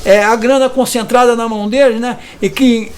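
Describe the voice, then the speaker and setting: A man's voice: extremely high pitch, fairly even intonation, moderate pace, smooth. A man, giving an indignant interview testimony and often ending sentences with a question tag. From Brazil. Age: 50s. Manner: hesitant restarts. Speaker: community resident interviewed about evictions.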